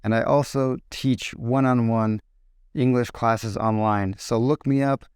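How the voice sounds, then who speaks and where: A man, an English teacher and podcast host, giving a casual spoken lesson, explaining slowly with examples. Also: medium pitch, fairly even intonation, darkish tone, clear, resonant tone, no room sound, clean studio sound. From California.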